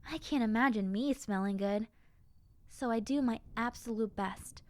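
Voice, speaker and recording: A woman plays a friendly young zombie girl with a highish, girlish voice. She chats casually and directly to the listener, like a lonely survivor glad of company in an audio roleplay. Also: normal speed, darkish tone, lightly acted. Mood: cheerful, fussy. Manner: casual, chatty, conversational, girlish.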